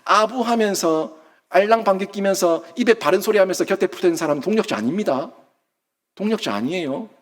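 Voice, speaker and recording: A male pastor delivers a sermon in a high voice that swings widely in pitch. He preaches emphatically and keeps throwing rhetorical questions at his congregation. His delivery stays animated throughout.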